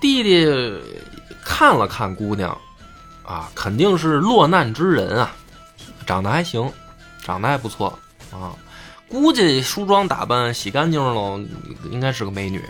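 A man's voice: medium pitch, huge pitch swings, a little slow, a bit bright, faint music behind. A man telling a folk tale in a chatty, joking way with asides. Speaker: storyteller. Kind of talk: casual comic storytelling.

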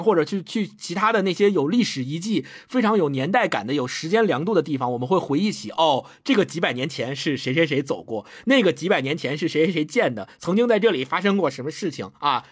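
Male book-podcast co-host, husky and fairly high, animated when he explains. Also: dry recording, studio quality. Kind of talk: book club chat and reading aloud.

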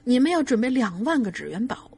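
A woman voicing a brisk, self-assured old village spirit medium of about seventy. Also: on the high side, sing-song, mellow, husky, full character voice.

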